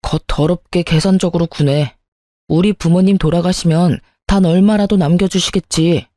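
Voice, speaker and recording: A woman's voice: fairly low pitch, fairly even intonation, normal speed, no echo, studio quality, natural voice. Woman doing a petty, hot-tempered husband. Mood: demanding. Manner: sulky, accusing, turns to shouting. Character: petty, calculating young husband, quick to anger.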